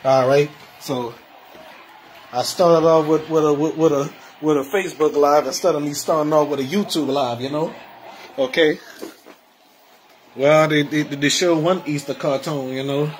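A man hosting a casual home livestream, rambling with many repeats and soft trailing endings. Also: fairly high pitch, steady tone, normal speed, a little hiss or hum. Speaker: livestream host. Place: home, indoors.

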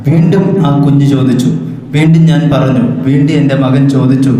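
A man's voice: medium pitch, fairly even intonation, a little fast, warm tone, a little hiss or hum. A man giving a formal public speech at a library event, telling stories in an oratorical way. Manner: oratorical storytelling. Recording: very echoey hall with long reverb.

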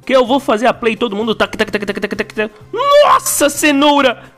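A young Brazilian man giving excitable, slangy gameplay commentary as a gaming YouTuber, full of exclamations. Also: very high voice, a little fast, faint music behind. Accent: Brazilian Portuguese.

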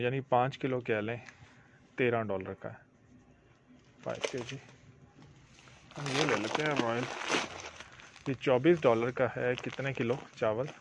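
A man narrates casually while walking the aisles of a grocery store, filming on a handheld phone. He explains prices, costs and profit step by step in a mid-pitched, slightly gravelly voice. The recording is dull and lo-fi, with clear store noise behind him. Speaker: vlogger touring a grocery store. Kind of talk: casual walk-through narration. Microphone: handheld phone camera.

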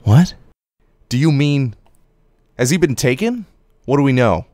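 An actor playing a dependable police detective in his thirties, brisk and concerned, in an audio drama. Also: mid-range voice, animated, dark tone, dry recording, clean studio sound, close to an everyday voice. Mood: alarmed.

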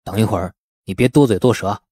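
A male narrator plays a tactful young businessman in an audiobook. His voice is low, husky and mellow, and he talks calmly, as if steering people gently to his view. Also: quick pace, no room sound, studio quality, lightly acted. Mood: hushed warning.

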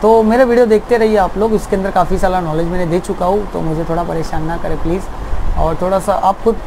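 Fast-talking young man in noisy shop. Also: high-pitched, steady tone, gravelly. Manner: rambling, repetitive explaining. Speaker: aquarium shop owner. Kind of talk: casual explanatory chat. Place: small aquarium shop indoors.

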